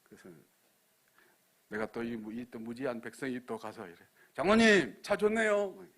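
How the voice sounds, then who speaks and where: A man with a Jeolla accent preaching a sermon as a missionary, telling stories with sudden loud emphasis and near-whispers. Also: medium pitch, level tone, normal speed. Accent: Jeolla dialect.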